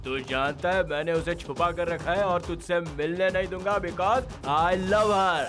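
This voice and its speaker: An actor dubbing a jealous, lovesick young man who rants loudly. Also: high-pitched, unhurried. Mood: ranting. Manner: loud, ranting, emotional. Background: film score music.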